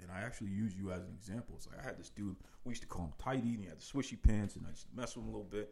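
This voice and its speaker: Animated in tone, a man with an American accent speaks with ordinary pitch variation. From Boston, Massachusetts. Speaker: podcaster and political consultant. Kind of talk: casual interview chat. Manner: animated, showman-like.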